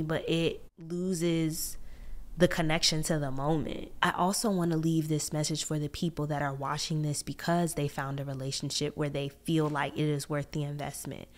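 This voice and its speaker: A young adult woman co-hosting a podcast, talking through relationship lessons in an animated, reflective way. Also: low voice. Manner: animated, reflective, fast-talking when wired. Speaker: podcast co-host. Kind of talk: casual relationship chat.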